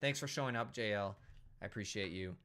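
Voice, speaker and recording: A streamer in his thirties wraps up a live stream with rambling, chatty, casual talk, repeating himself. His voice is fairly low and sharp in tone, and he speaks fairly quickly while sounding a little tipsy and slurring his words.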